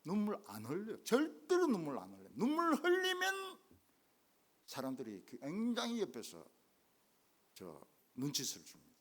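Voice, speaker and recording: An older man preaching a revival sermon as a guest pastor, jumping from loud exclamations to hushed asides. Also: high-pitched, moderate pace. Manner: animated, swinging from loud exclamations to quiet asides. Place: church main sanctuary.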